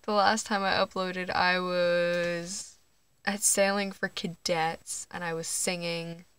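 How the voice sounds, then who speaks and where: Hesitant, soft-spoken teen trans guy. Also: sits high, little pitch movement, slow pace, clean tone. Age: teens. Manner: hesitant, with nervous laughs and restarts; hushed late-night talking. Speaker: vlogger. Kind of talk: casual personal vlog. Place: under a bed at home, indoors. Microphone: phone camera.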